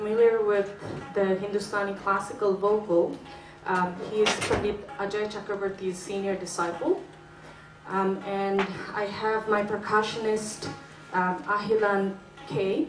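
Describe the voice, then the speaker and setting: A woman at medium pitch, flat and monotone, at a fairly slow pace, with audible room echo and music in the background. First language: Bengali. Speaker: classical dancer. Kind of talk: stage introduction. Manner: halting, many fillers.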